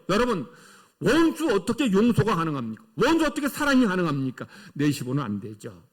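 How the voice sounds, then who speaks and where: A middle-aged man preaches from the pulpit of a church, pressing his points home with rhetorical questions. His voice sits fairly high for a man and rises and falls a great deal. He speaks with the emphatic cadence of a sermon. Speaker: pastor. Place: church sanctuary.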